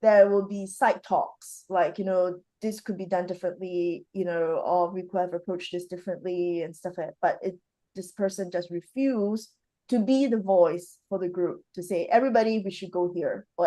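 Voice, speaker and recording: Animated woman in spiritual chat, mellow voice. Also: fairly low pitch, a little fast, low-quality recording. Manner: animated, laughs often. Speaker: podcast co-host, healer. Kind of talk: casual conversation.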